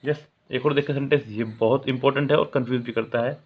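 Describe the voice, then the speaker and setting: A man's voice: mid-range voice, steady tone, fast, breathy edge. A man explaining English grammar in Hindi as a teacher, reading example sentences aloud and asking questions that he then answers himself. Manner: asks the viewer questions and answers them himself. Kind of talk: classroom-style video lesson. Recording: tinny, phone-like sound.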